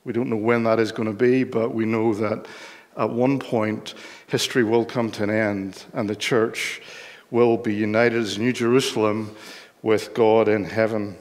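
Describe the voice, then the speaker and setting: Northern Irish preacher in a reverberant hall. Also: male voice, fairly low pitch, flat delivery, moderate pace. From Northern Ireland. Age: older. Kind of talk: sermon with Bible reading. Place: church hall, speaking from lectern on stage.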